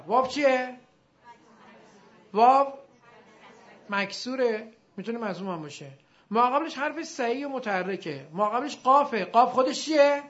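Man, teacher in a classroom, drills students, stretches example words slowly, muffled recording. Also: extremely high pitch, a bit bright. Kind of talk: classroom grammar lesson. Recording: dull lo-fi recording.

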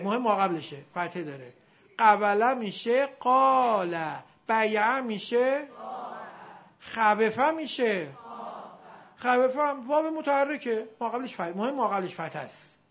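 A male teacher giving a classroom grammar lesson, drilling his students and drawing out example words slowly. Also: high-pitched, creaky. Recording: dull lo-fi recording.

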